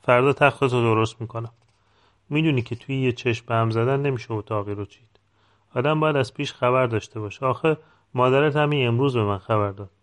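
A man's voice: medium pitch, close to an everyday voice. A man voicing a welcoming, matter-of-fact old village woman in an audiobook reading.

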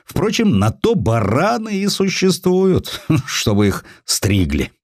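A man's voice: a little high, wildly swooping pitch, slow, a little mellow, no echo, studio quality, voice pushed up, heavily acted. A man voicing a cynical, wry, wealthy merchant with a sardonic drawl in an audiobook. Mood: sardonic amusement.

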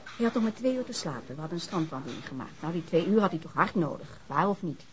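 A woman playing a playful, caring and outspoken companion in a radio drama, brisk and coaxing. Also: fairly low pitch, expressive, crowd noise, close to an everyday voice. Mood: cheerful, frank. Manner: brisk, coaxing, plain-spoken. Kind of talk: naturalistic Dutch radio drama acting. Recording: clear outdoor ambience noise behind.

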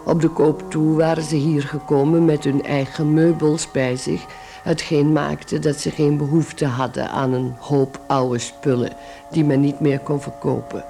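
A man giving measured, literary narration for a radio drama. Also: on the high side, vocal fry, mellow.

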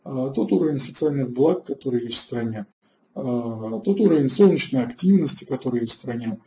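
Man, webinar host, mellow dark voice, halting with fillers, muffled lo-fi audio. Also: medium pitch, lively intonation, slight background noise. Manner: halting, with many filler sounds and restarts; answers chat questions between points. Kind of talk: online webinar lecture.

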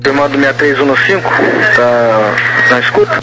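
A man working as an air traffic controller, giving measured, formal instructions in clipped radio phraseology, heard over a two-way radio. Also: mid-range voice, lively intonation. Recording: noisy radio transmission.

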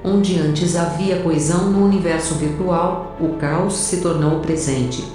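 A woman's voice: sits low, unhurried. A woman playing an impetuous, theatrical female soldier and first mate in an audio drama. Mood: grandiose narrating. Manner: theatrical, haughty. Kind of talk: audio drama acting and narration. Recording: roomy, distant, music underneath.

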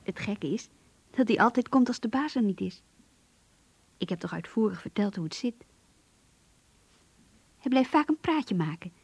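A woman's voice: medium pitch, lively intonation, moderate pace, long pauses, darkish tone, slightly rough. An actress playing an eager, curious young Jewish secretary who reads her diary in a Dutch radio play. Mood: eager, confiding. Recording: dull, muffled old radio recording.

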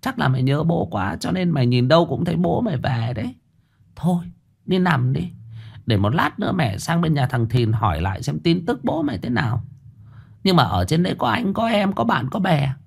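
A man's voice: a little high, big pitch swings, normal speed, gravelly, breathy edge, voice pushed up, heavily acted. A man voicing a frantic, crude-tongued middle-aged village mother who scolds her son. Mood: consoling.

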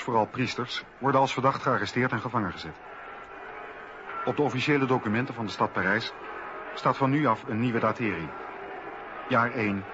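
A man narrating a scripted historical radio documentary in a factual, declarative way. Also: mid-range voice. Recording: dull radio recording, faint noise.

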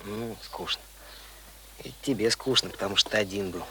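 A man's voice: fairly low pitch, moderate pace, lightly acted. Man acting a plain-spoken lad, noisy recording. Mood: friendly. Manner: colloquial, blunt questioning. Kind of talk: radio drama acting. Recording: noisy old radio play recording.

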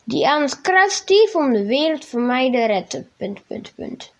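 A woman hosting a podcast and reading a storybook aloud in a steady, measured way. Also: high voice. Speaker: podcast host and story reader. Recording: dull lo-fi recording.

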